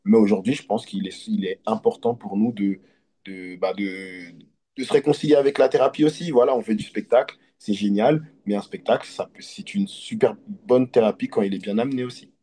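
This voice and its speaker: A man from Côte d'Ivoire, a hypnotist, talking in an earnest, reflective and halting way as an interview guest. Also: fairly low pitch, warm tone, slight background noise. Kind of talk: casual interview conversation.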